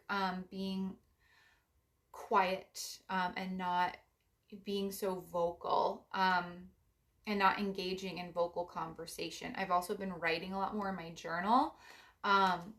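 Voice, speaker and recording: A young woman with a raspy voice talks through a spiritual card reading in a loose, meandering way. She offers gentle advice and uses a lot of fillers as she goes. Her pitch sits in an ordinary middle range. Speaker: psychic card reader.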